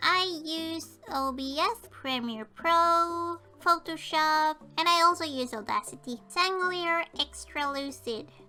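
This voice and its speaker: With music playing behind it, a raised, projected voice in a playful tone moves at a very slow pace with ordinary pitch variation and hardly any pauses. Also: woman, extremely high pitch for a woman. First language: Norwegian. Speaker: YouTuber. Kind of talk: Q&A reading viewer questions. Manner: casual, playful.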